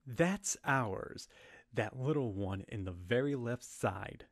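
A man's voice: medium pitch, animated, takes it slowly, no echo, studio quality. An actor playing a matter-of-fact young stallion father in a fan radio drama.

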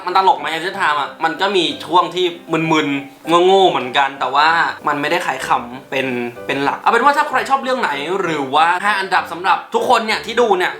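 Man, casual countdown host, giggly, squeaky when excited, echoey room, background music. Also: a little fast, few pauses. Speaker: YouTube host. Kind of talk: casual chatty countdown review.

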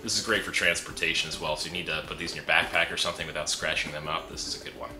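A man's voice: a bass voice, steady tone, very fast. A young man giving a casual product review in an easygoing, chatty way, with frequent fillers, speaking indoors into a camera. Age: young adult. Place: indoor room with a pegboard wall. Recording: roomy echo.

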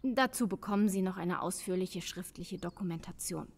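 Brisk, tired female forensic pathologist. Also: fairly low pitch, gravelly, breathy edge. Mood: tired, businesslike. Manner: precise, matter-of-fact. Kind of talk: German crime radio drama acting.

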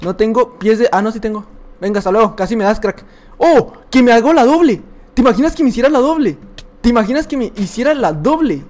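A young man with a Mexican accent giving excitable, chatty live gameplay commentary, repeating phrases and laughing often. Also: high-pitched, fast. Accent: Mexican Spanish. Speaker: gaming YouTuber.

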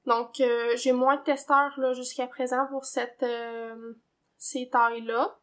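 Québécoise woman host, high-pitched, chatty, filler-heavy, casual knitting vlog. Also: level tone, takes it slowly. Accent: Québécois French. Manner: chatty, many fillers and hedging tags. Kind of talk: casual chat. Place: home, indoors.

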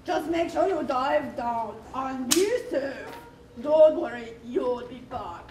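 A relaxed, friendly elephant seal, played by a woman in a puppet show, chats at an unhurried pace. Her high voice sounds distant in an echoing hall. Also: background noise. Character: laid-back male elephant seal, friendly. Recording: echoey hall from far off.

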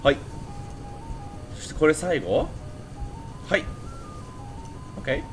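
Young guy doing horror game commentary, super lively voice jumping up and down, chats to viewers. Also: on the high side, slow pace, soft background music. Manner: animated, chatty, talks to viewers. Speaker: gaming channel host.

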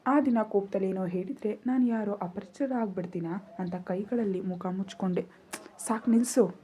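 A woman's voice: medium pitch, a little fast, mellow, a little hiss or hum. A woman narrating a first-person romance story in an emotional, intimate storytelling manner.

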